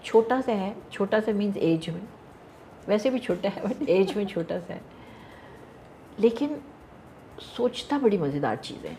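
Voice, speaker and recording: An older woman, a television actress telling lively stories in a casual interview and mixing English into her Urdu. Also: medium pitch, pauses often, slight background noise. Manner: animated storyteller, mixes English into Urdu, laughs often.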